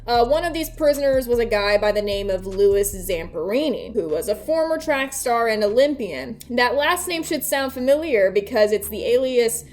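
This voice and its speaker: A woman with a fairly high voice talks through theories as the host of a video essay. Her delivery is conversational and informal, with some swearing. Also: lively intonation, moderate pace, hardly any pauses, darkish tone, slight background noise. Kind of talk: casual commentary and theory breakdown.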